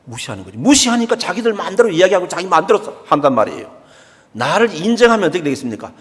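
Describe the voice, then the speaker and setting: Older Gyeongsang pastor with lively pitch. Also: male voice, rapid-fire. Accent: Gyeongsang Korean. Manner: emphatic, repeats key phrases, acts out everyday speech. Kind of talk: sermon. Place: church sanctuary. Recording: long church reverb.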